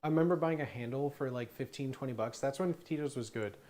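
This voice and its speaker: A man in his thirties, a streamer and former bartender, chatting casually in a rambling way with quick asides. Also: mid-range voice, a little mellow. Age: 30s.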